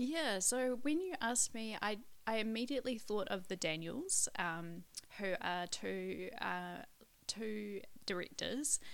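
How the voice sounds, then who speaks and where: A woman speaks very slowly at a fairly high pitch, with a New Zealand accent. Her intonation is lively while her loudness stays very even. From New Zealand, Waikato. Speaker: writer. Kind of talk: casual chat. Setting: in person, at a table. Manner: halting.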